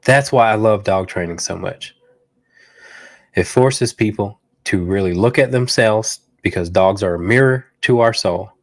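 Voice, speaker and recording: A man's voice: fairly low pitch, no echo, studio quality. A man hosting a live dog-training Q&A, talking emphatically and urging his listeners on. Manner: emphatic, exhorting, rising to near shouts. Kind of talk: live stream Q&A talk.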